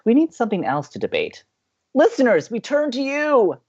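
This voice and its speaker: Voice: medium pitch, very animated, normal speed, darkish tone, breathy edge, lo-fi sound, faint music behind. A performer playing an upbeat, chatty young college radio co-host in an audio drama, teasing and playful. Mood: playful, animated. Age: young adult.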